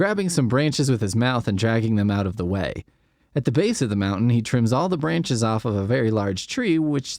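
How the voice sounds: Delivered in a natural reading voice, the speech has lively intonation.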